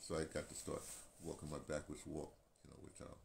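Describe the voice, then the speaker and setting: An American man in his sixties rambling casually to his phone camera, halting and digressive, repeating phrases as he goes. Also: a bass voice, completely flat delivery. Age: 60s. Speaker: video blogger, radio veteran. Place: small painted room indoors. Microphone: phone at arm's length. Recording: clear ambient background noise.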